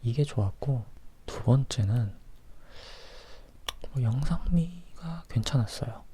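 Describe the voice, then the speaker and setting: A man whispers a casual ASMR film review in a breathy, hushed voice, as if leaning in close to the listener. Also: medium pitch, animated, takes it slowly. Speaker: host of a film review series.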